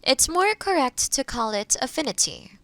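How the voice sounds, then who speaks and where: Woman playing a kind witch, lively swooping high voice. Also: moderate pace, dry recording, full character voice. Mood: patient explaining. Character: kind, skilled young witch, proud yet gentle and reassuring. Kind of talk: roleplay audio drama, intimate one-to-one.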